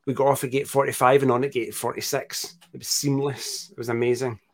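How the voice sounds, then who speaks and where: A man's voice: mid-range voice, flat delivery, brisk. A Scottish man hosting a live podcast, chatting casually and playfully while reading out listener comments. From Scotland. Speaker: podcast host.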